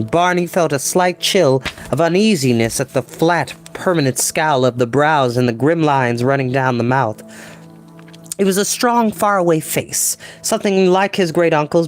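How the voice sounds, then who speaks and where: A man reading a children's novel aloud as narrator, in an expressive storytelling style. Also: fairly high pitch.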